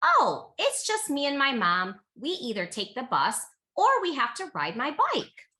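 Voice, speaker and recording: A woman's voice: sits high, huge pitch swings, unhurried, bright, forceful tone, voice pushed up, full character voice. A woman voicing a friendly, modest, plainspoken young boy from a storybook. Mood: matter-of-fact.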